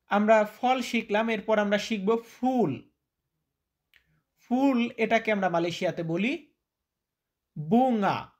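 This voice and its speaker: A man's voice: high voice, takes it slowly, pauses often. A man teaching vocabulary, repeating each word and quizzing the listener. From Bangladesh. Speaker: language teacher. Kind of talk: vocabulary lesson.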